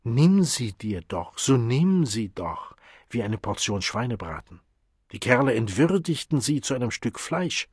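A man's voice: mid-range voice, big pitch swings, unhurried, darkish tone, slightly rough, dry recording, clean studio sound. A man voicing a bitter, jealous young man who mutters resentfully to himself.

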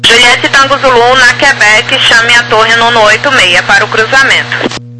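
Brazilian male ground controller, high-pitched, clipped procedural delivery over crackly, humming radio. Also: steady tone, a little slow. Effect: crackly aviation radio. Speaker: air traffic ground controller.

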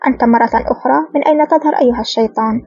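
A woman's voice: a little high, racing, darkish tone, slightly rough. A woman reading as a sneering male hitman. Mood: mocking. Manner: sneering, sarcastic. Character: scheming male hitman, mocking and sly. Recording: dull lo-fi dry recording.

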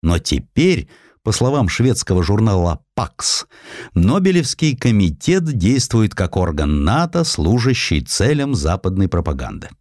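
A man's voice: fairly low pitch, very animated, normal speed, a little mellow, dry recording, studio quality. A man narrating a historical essay with theatrical, emphatic, scripted delivery.

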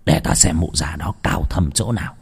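A man's voice: rumbling low, normal speed, darkish tone, breathy edge, heavily acted. A man voicing a gross, greedy old sorcerer who barks scornful orders. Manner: commanding, scornful.

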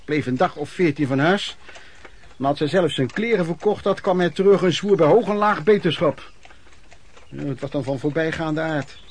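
A man's voice: a little high, natural voice. An actor playing an embittered working-class man who recounts his miserable youth in a colloquial radio play monologue. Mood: bitter, indignant. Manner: colloquial, emotional storytelling with repetitions. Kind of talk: Dutch radio play narration, reminiscing monologue.

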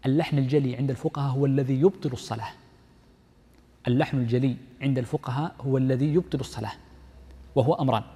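A sheikh teaching Islamic jurisprudence gives a fast-paced classroom lesson in a warm, slightly husky, medium-pitched voice with a steady tone. He reads lines from the book aloud, then comments, explaining step by step and repeating key phrases often. A long reverb from a large lecture hall carries his voice.

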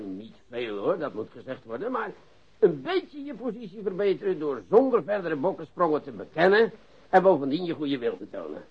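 A dull lo-fi radio drama recording of a male police interrogator. His highish, husky voice swoops through mock courtesy and drawn-out emphasis, sarcastic and relentless. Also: heavily acted. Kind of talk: radio play acting.

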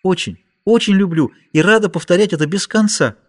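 A man voicing a frightened, devout young woman in a spoken audiobook, lifting his voice high and pleading. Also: a little fast, natural voice. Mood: tender. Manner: raised pleading voice.

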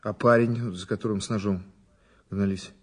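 An actor playing a dry, persistent police investigator in an audio drama, with a wry, terse manner. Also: male voice, lowish voice, fairly even intonation, moderate pace, breathy edge. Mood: brisk, probing. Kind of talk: Russian audio drama acting.

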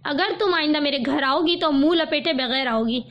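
A woman's voice: sits high, close to an everyday voice. A woman reading the lines of a stern, furious older uncle who scolds harshly, with a slightly dull recording. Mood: enraged.

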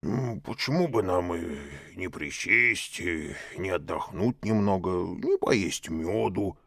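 A man voicing a slow, easygoing male bear in an audiobook, mumbling hesitantly with drawn-out fillers. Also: low voice, expressive, a bit bright, no echo, clean studio sound, heavily acted. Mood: mumbling, placid. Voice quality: gravelly, husky. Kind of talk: audiobook character voice.

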